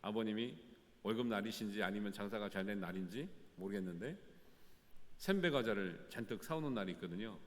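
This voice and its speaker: A male pastor preaching a sermon to his congregation, full of sudden loud rises and soft drops and direct questions to the listeners. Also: lowish voice, fairly quick. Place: church sanctuary. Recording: long church hall reverb.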